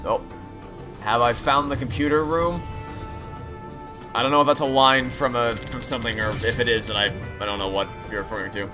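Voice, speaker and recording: A man's voice: mid-range voice, fairly even intonation, fairly quick. A man streaming a video game, chatting casually and rambling with dry sarcastic asides. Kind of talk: casual livestream chat and game commentary. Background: game music.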